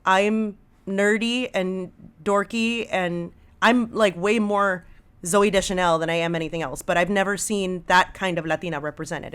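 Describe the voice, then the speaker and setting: Podcast guest, female, American accent, slightly low pitch, earnest and conversational, frequent check-in tags. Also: smooth. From Los Angeles, United States. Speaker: podcast guest, audio drama writer. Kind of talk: casual conversational interview talk.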